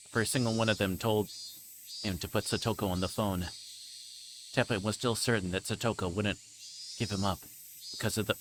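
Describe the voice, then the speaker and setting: Lowish-voiced man reading a story aloud. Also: noisy background. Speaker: livestreamer. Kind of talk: reading visual novel narration aloud.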